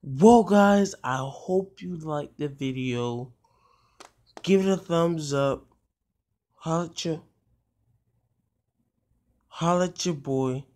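A man's voice: fairly high pitch, slow pace, long pauses, a little mellow. A young man introducing his own YouTube video in a rambling, laid-back, slangy way. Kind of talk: casual vlog intro.

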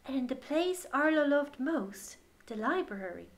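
Slow, deliberate woman reading a storybook. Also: high voice, big pitch swings. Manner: addresses young listeners directly. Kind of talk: expressive children's storybook narration.

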